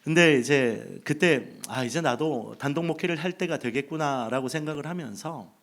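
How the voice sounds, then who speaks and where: A man's voice: fairly high pitch, normal speed, a bit bright. A man from Busan preaching a sermon from the pulpit of a church sanctuary, speaking into a handheld mic and telling a humorous story with acted inner thoughts. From Busan, South Korea. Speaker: pastor.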